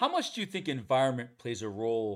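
A man with an unremarkable speaking voice and an American accent talks at a moderate pace with ordinary pitch variation. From New York State (Hudson Valley). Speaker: podcast host. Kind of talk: casual chat.

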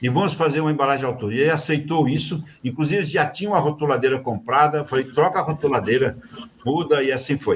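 A man talks at a fairly quick pace in a fairly high pitch. His voice is somewhat breathy, with ordinary pitch variation. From Brazil, interior of São Paulo state. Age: 70s. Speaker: packaging designer and marketing consultant. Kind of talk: interview with slide presentation.

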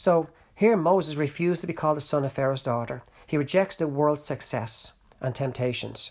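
Someone with an Irish accent talks at a moderate pace with lively intonation. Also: man. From Ireland. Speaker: podcast preacher. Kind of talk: sermon. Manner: halting.

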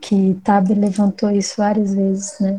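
A woman speaks at a fairly slow pace. Her medium-pitched voice is somewhat breathy. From Belo Horizonte, Brazil. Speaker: podcast co-host. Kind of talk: casual chat.

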